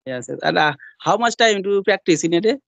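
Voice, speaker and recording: High-voiced man, dry close sound. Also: animated, vocal fry, fairly bright tone, no room sound. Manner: repeats "yes, yes" as backchannel, halting questions. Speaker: interviewer, English practice partner. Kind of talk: conversation practice interview.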